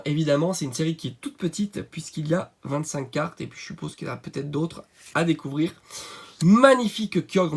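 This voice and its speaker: Hoarse man with a cold, gravelly. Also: on the high side. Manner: chatty, many fillers, excited at good pulls. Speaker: channel host. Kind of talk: card unboxing commentary.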